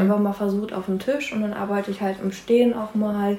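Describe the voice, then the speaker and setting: A woman speaks very fast over noticeable background noise. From Harz region, Lower Saxony, Germany. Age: 40s. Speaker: dog physiotherapist. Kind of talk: interview answers.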